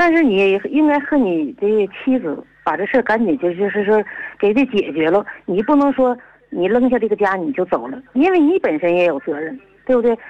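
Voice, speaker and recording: Amid noticeable background noise, the words come at a moderate pace. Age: 50s. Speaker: caller. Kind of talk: phone call-in opinion. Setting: phone call.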